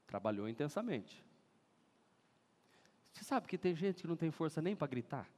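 A Brazilian pastor delivers an animated sermon, acting out little scenes and calling on the congregation to read aloud with him. His voice sits high and swoops widely up and down. The sound carries the long reverb of a big church hall. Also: normal speed. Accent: Brazilian Portuguese. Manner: animated, acts out scenes and leads congregation in shouting.

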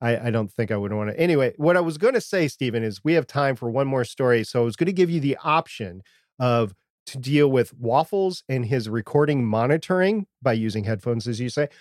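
Quiet, muddled man's voice, very dry. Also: medium pitch, animated, a little fast, no room sound. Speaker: podcast co-host. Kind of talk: casual chat about audio gear.

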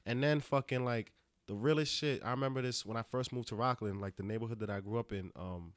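A man's voice: mid-range voice, quick pace, no echo, studio quality. A young man in casual podcast chat, telling loose stories full of slang and fillers.

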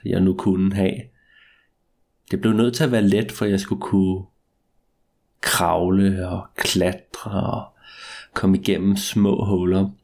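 A man playing a brooding, awestruck cave explorer long alone underground, musing haltingly in an eerie first-person story. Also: low voice, vocal fry, darkish tone.

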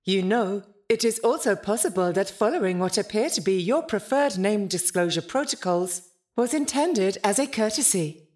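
A woman's voice: mid-range voice, animated, moderate pace, darkish tone, close to an everyday voice. A woman playing a prim, evasive, literal-minded ship's intelligence in a science-fiction audio drama, speaking with dry, formal politeness. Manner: formal, pedantic, dryly polite.

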